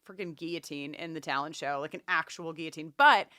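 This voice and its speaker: A woman co-hosting a podcast, chatting casually and emphatically as she recaps a TV episode, with animated mock exasperation. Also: sits low, fairly quick, dry recording, studio quality. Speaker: podcast co-host.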